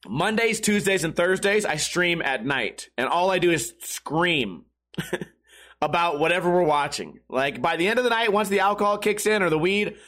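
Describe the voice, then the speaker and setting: A hoarse man hosts a livestreamed podcast, his voice sitting high for a man. He rambles loosely and swears freely in easygoing chat. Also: animated, normal speed, a bit bright. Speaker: podcast and stream host.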